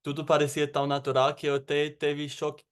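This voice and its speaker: A man's voice: fairly high pitch, a little fast, smooth. An American man who speaks learned Portuguese with a Rio accent, chatting casually and a bit rambly as an interview guest. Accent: American, with Rio de Janeiro Portuguese. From United States. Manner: relaxed, rambling with fillers.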